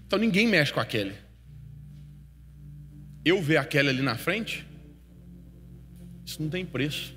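Male preacher, higher voice, emotional storytelling, long hall reverb, faint music behind. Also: very animated, moderate pace, long pauses. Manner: emotional storytelling, swings from hushed to loud. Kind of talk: sermon storytelling. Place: church hall.

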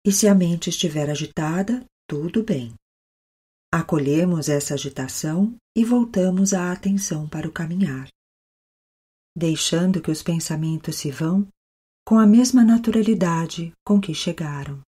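Brazilian female meditation guide, soothing yoga-teacher delivery, mellow and breathy, pausing often. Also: on the low side.

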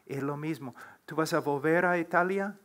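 A middle-aged man answering questions on a church panel in a slow, earnest, preacherly way that builds to emphatic exhortation. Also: a little high, fairly bright tone. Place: church platform, seated before a large wooden cross.

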